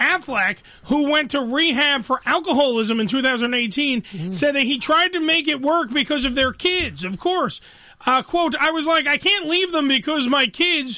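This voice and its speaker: Lively intonation marks this man's speech. His voice is extremely high, and his pace is moderate. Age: 40s. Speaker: radio show host. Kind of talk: casual chat; reading news stories aloud. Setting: studio. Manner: animated.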